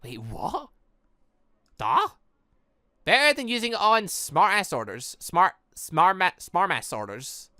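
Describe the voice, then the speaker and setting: A woman giving casual let's play commentary, reading game dialogue aloud and rambling as she thinks out loud with animated reactions. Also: on the low side, takes it slowly, pauses often, no room sound, studio quality. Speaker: gaming channel host.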